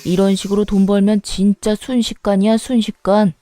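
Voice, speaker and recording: A woman voicing a smooth-talking middle-aged uncle-in-law who is after money, coaxing and talking down to his nephew's wife in a Korean radio story reading. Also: medium pitch, little pitch movement, moderate pace, warm tone, no echo, studio quality, lightly acted.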